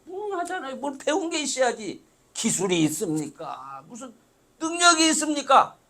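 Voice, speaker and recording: Male pastor, middle-aged, sermon in a church, very high voice, lively swings in pitch, sudden loud emphatic bursts, quiet asides. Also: normal speed. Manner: conversational preaching with sudden loud emphatic swells and soft asides. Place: church sanctuary.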